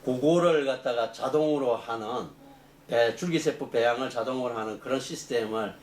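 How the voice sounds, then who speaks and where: A man's voice: medium pitch, normal speed, reverberant, a little hiss or hum. A middle-aged man, an engineering professor, answering interview questions in long explanations full of fillers and restarts.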